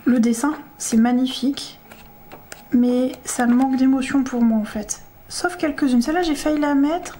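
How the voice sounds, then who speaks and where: High-voiced chatty woman vlogger. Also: a little mellow, a little hiss or hum. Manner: chatty, gushing, giggly. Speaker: coloring-book vlogger. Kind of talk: casual chat.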